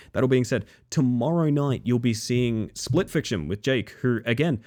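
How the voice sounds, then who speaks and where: Male streamer, tired crackly voice, casual rambling sign-off, low voice with animated swings. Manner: friendly, rambling, thanks viewers. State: sleepy, crackly voice.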